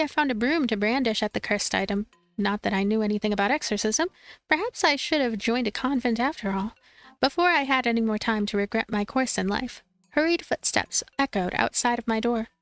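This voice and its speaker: A woman with a fairly high voice narrates a visual novel for a let's play. She reads expressively, like a storyteller, with music playing behind her. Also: a little fast, no room sound. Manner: animated storytelling, acts out dialogue.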